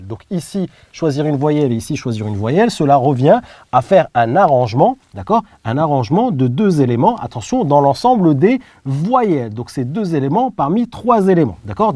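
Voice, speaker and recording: Male math tutor, animated delivery, dry close sound, repeats himself while explaining. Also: fairly high pitch, no room sound. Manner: repetitive, checks understanding with "d'accord?". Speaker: math teacher. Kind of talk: online math lesson, explaining step by step.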